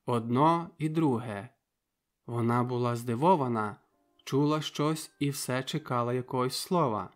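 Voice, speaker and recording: A man reading a novel aloud as an audiobook narrator, in calm, measured storytelling. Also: medium pitch. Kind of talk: scripted literary narration.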